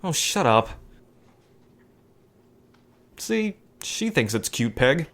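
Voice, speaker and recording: A man's voice: a little high, sing-song, very slow, a bit bright, exaggerated voice. A man playing a devoted, playful ally in a romantic audio drama, with an affectionate, casual and teasing manner. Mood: playful, flirty. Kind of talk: scripted romantic audio roleplay spoken to the listener.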